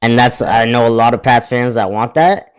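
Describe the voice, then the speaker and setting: A man's voice: mid-range voice, moderate pace, smooth. A man co-hosting a casual sports chat over a remote call, hesitant as he thinks aloud. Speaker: podcast co-host.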